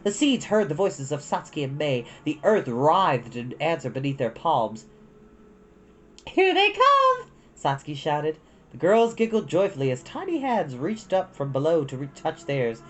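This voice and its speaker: A woman reading a children's story aloud as a host, with dramatic, unhurried delivery. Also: low voice, sing-song, a little mellow, slightly rough. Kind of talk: expressive children's storybook narration.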